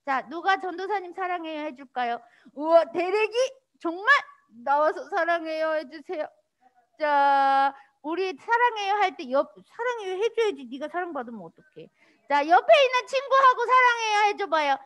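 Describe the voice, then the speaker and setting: A woman pastor giving a children's sermon, animated and sing-song, asking little children questions in a church worship room. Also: extremely high pitch, normal speed.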